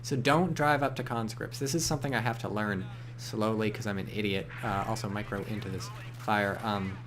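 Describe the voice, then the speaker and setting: Low-voiced man rambling over a game. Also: moderate pace, slight background noise. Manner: rambling, joking asides, excited bursts. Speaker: game commentator. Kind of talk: casual video game commentary.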